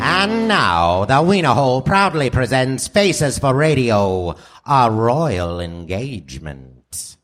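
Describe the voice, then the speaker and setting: A man's voice: medium pitch, big pitch swings, slow, a bit bright, big-room sound. Man as a showy, swooping radio announcer. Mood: grand, showy. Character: grand old-time radio show announcer, male, proudly promotional. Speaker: announcer and sketch performer. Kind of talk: mock old-time radio announcing. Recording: music behind, live theater.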